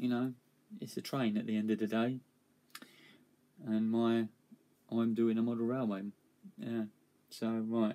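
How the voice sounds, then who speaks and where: In a southern English accent, a man of medium pitch talks at a moderate pace, his tone dark and mellow and his intonation monotone and flat. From England. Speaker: model railway hobbyist. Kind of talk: live stream chat. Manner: halting.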